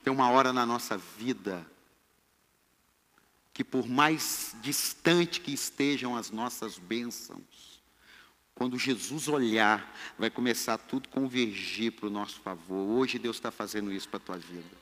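A man preaching a fervent sermon at a church service, rising to shouts and falling to hushed storytelling. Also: mid-range voice, measured pace, big-room sound. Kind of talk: Pentecostal sermon.

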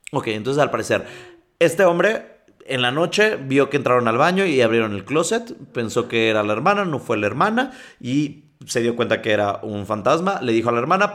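His mid-range, fairly bright voice leads a laid-back podcast in which he reads listener stories aloud. As host, he's digressive, frequently stumbling over lines and breaking off to add his own remarks.

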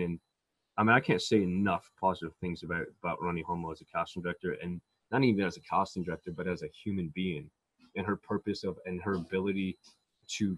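A man with a low, husky voice talks with eager, rambling enthusiasm as an interview guest, often restarting his sentences. The sound is dry and close, with no room around it. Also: dry recording. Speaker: actor guest. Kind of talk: casual interview talk.

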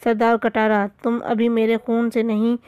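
A woman's voice: on the high side, monotone, smooth, no echo, dull audio, natural voice. A woman voicing a foolish, quarrelsome man who scolds and bickers in a read-aloud storybook.

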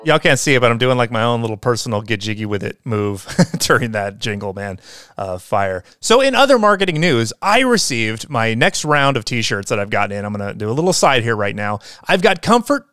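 A man's voice: medium pitch, very animated, a little fast, a bit bright, clean tone, dry recording, studio quality. A man hosting a casual solo podcast, talking in an upbeat, rambling way with lots of fillers and restarts. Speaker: podcast host.

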